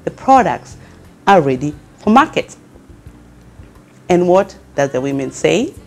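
Her voice here is fairly low, darkish and sing-song, and she takes her time. She is a middle-aged Kenyan woman with a Kenyan accent, the founder and CEO of a women's network, earnestly putting rousing questions to the camera from an indoor studio lounge with a fireplace and furnishings.

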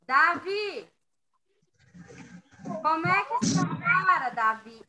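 A woman's voice: very high voice, expressive, very slow, sharp tone, low-quality recording. A woman with a Brazilian Portuguese accent teaching young children in an online class, stretching out syllables and patiently prompting pupils over a video call. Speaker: primary school teacher. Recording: video call with background noise.

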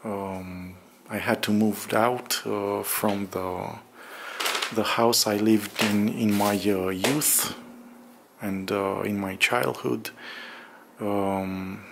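A man narrating a casual walk-through vlog in a halting, hesitant way with drawn-out pauses, recorded indoors on a handheld camera. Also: fairly low pitch, fairly even intonation, vocal fry, background noise. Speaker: vlogger. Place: bare room under renovation, indoors, windows open.

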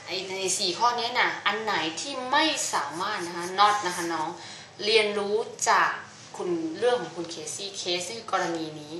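A woman with a Thai accent teaching an English exam-prep class, chatty and coaxing, reading English sentences out slowly. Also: medium pitch, a crowd in the background. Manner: chatty, addresses students as "nong", reads English slowly. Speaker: English tutor. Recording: roomy with faint noise.

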